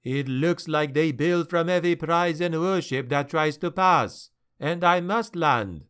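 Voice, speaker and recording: A man voicing an excitable male sea captain with a French accent and broken, emphatic English. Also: fairly high pitch, measured pace, smooth. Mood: persuasive.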